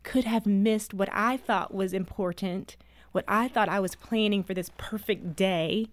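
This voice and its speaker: A woman's voice: medium pitch, a little slow, no room sound. A woman in her thirties, a mother and author, telling personal stories earnestly in an interview and growing emotional at times. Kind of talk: interview conversation.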